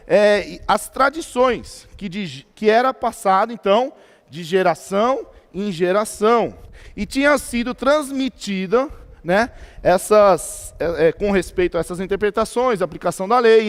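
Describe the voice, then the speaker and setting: A Brazilian man preaching a sermon as pastor, teaching by asking questions and answering them himself, with frequent fillers and restarts. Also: sits high. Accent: Brazilian Portuguese. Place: church hall. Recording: church hall with long reverb.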